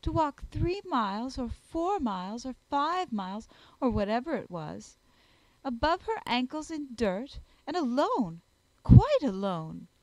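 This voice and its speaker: A haughty young society lady, voiced by a woman narrator, full of catty disdain. Her affected, emphatic delivery swoops up high through an animated range, like a character in a period storybook, recorded dry and close. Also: a little slow, no echo, exaggerated voice, rough recording. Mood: scandalised scorn.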